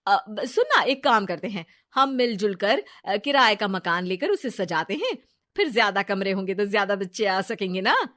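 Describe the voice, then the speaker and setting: A woman's voice: medium pitch, very animated, moderate pace, fairly bright tone. A woman voicing a scheming young false friend in a cartoon story, coaxing and persuasive.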